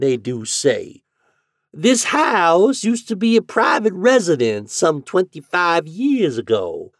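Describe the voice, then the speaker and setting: Guy doing a cool drawling old landlady, high and slow, very dry sound. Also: dry recording, exaggerated voice.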